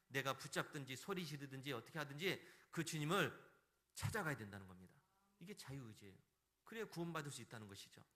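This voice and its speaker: A male pastor preaching a Sunday sermon in a church, emphatic and animated, acting out the quoted voices in the story. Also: medium pitch. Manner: emphatic, acts out the crowd's and the beggar's lines. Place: church sanctuary.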